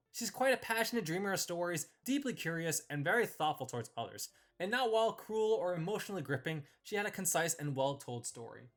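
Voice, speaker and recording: A man's voice: a little high, a bit bright. A man hosting a video, giving scripted review commentary as he ranks characters in a tier list.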